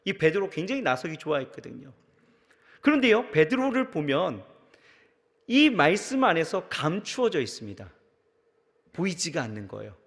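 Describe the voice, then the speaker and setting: A male pastor delivering a sermon, asking the congregation questions and swinging between loud emphasis and quiet, hushed lines. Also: fairly high pitch, very animated, normal speed, long pauses. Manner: dynamic preaching with rhetorical questions and sudden drops to quiet. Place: large church sanctuary. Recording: long church reverb.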